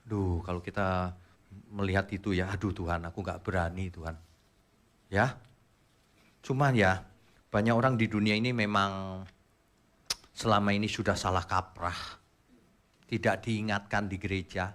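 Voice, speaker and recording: A pastor preaching a sermon in a lively colloquial way, firing rhetorical questions. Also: male voice, low-pitched, a little slow, pauses often. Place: church.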